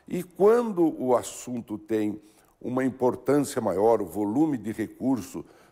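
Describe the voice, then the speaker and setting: A man speaks at a very slow pace. His medium-pitched voice has a dark, mellow tone. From Paraná, Brazil. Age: 60s. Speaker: bank president and former state governor; politician. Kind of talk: TV interview. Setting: TV studio. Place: studio.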